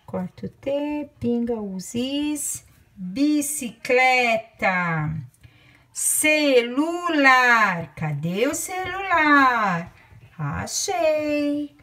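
A woman teacher from Brazil, with a Brazilian Portuguese accent, counts aloud while dictating words to young children, stretching each one out slowly. Her high voice is sing-song and fairly bright in tone.

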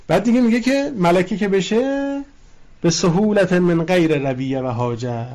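A man's voice: fairly high pitch, a little mellow. A man giving a colloquial religious lecture, teaching through repetition and quoted Arabic phrases. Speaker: cleric lecturing on a religious book.

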